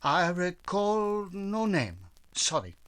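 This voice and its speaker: Actor as a high-voiced, courteous restaurant owner. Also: male voice, very animated, fairly bright tone, clear, resonant tone, full character voice. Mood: polite, obliging. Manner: polite, hesitant, formal halting phrasing. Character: courteous, obliging male Chinese restaurant owner. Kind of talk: 1940s radio drama acting.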